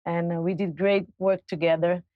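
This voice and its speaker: A woman's voice: fairly low pitch, flat delivery, moderate pace, no room sound, phone-quality sound. A woman whose first language is Portuguese, hosting an interview show, moving from a scripted introduction to casual chat. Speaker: talk show host.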